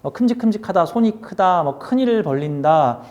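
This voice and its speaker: A man with a high voice lectures his class on fortune-telling. He keeps it lively, asking questions and answering them himself. He slips between polite and casual speech as he explains. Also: a little fast, muffled recording.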